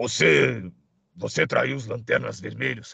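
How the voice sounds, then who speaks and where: A man puts on a raspy, menacing character voice and speaks at a fairly slow pace. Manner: menacing, accusing.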